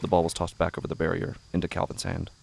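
A man reading scripted, literary narration for a horror audio drama in a measured, brooding way. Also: deep voice, completely flat delivery, creaky, a little mellow, slight background noise.

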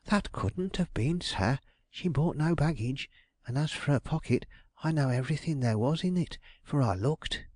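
A man voicing an anxious, aggrieved middle-aged landlady, raised high and fretful in her protests. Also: lively intonation, moderate pace, darkish tone, dry recording. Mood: eager.

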